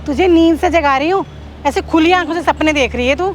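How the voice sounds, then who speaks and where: A woman's voice: high voice, fairly quick, a little hiss or hum, natural voice. An actress playing a scolding older woman who disbelieves and rebukes the young woman. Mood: incredulous. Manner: scolding, incredulous. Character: sharp-tongued older woman, mother-in-law or aunt.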